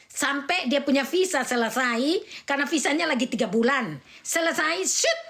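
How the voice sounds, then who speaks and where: A woman's voice: high voice, lively intonation, normal speed, creaky, a bit bright. A middle-aged woman from Indonesia, a mother scolding and ranting angrily and repetitively on a livestream. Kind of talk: heated livestream rant.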